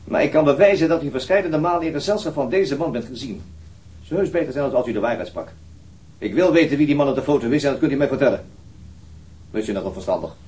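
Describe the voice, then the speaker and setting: An actor playing a persistent, methodical police detective in a Dutch radio drama, formally polite and matter-of-fact. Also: male voice, medium pitch, expressive, fast, a little mellow, natural voice. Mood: firm, pressing.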